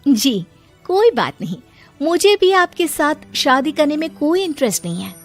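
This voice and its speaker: A woman's voice: sits high, sing-song, unhurried, soft background music, pitched above the performer's own voice, heavily acted. A woman voicing a firm young schoolteacher. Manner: firm, defensive. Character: unmarried young woman teacher, firm and self-respecting.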